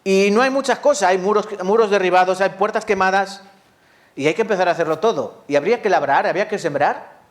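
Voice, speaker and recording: A man delivering a sermon in a fairly high voice. He speaks straight to his congregation, firing off rhetorical questions and answering them himself. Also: fast. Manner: rhetorical questions, lively rises and drops; addresses congregation directly. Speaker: pastor.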